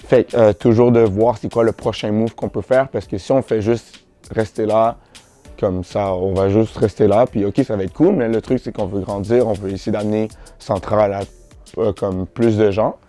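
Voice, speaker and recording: A young man with a Québécois French accent, answering interview questions in a relaxed, slangy way, often restarting his sentences. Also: lowish voice, normal speed, faint music behind. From Montreal, Canada. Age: teens. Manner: relaxed, slangy, repeats himself with many restarts. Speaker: boutique founder, interviewee.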